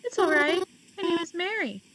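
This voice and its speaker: A woman voicing a calm young woman who attends funerals, speaking softly and consolingly. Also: very high-pitched, moderate pace, pitched above the performer's own voice, rough recording. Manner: soft, consoling. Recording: loud background noise.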